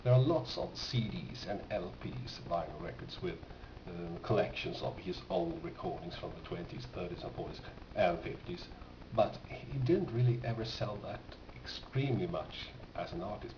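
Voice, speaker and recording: Swedish guy with a lowish voice chatting about his collection, stops and starts a lot, really echoey room and muffled noisy sound. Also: very animated. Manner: halting, pausing mid-sentence. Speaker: record collector presenting finds. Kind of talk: casual unscripted show-and-tell. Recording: dull, echoey, noisy amateur room recording.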